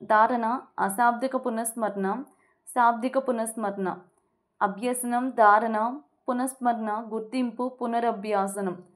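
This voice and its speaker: A woman's voice: a little high, steady tone, slow pace. A woman tutoring for exams, going over revision points and repeating each one like a drill. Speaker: exam prep tutor. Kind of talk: exam revision lesson.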